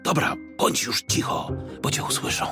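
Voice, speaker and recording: A man's voice: moderate pace, over music, close to an everyday voice. A man voicing a grumbling, easily flustered detective who hesitates, in a children's audiobook. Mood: indignant. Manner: hesitant, stammering.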